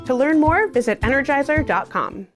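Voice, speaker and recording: A woman's voice: sits high, animated, moderate pace, fairly bright tone. A woman co-presenting a scripted, conversational advert. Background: faint music.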